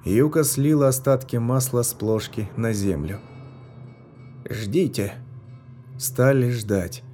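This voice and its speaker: A man giving scripted narration of a dark fantasy story in a measured, tense manner. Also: medium pitch, soft background music. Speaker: audiobook narrator.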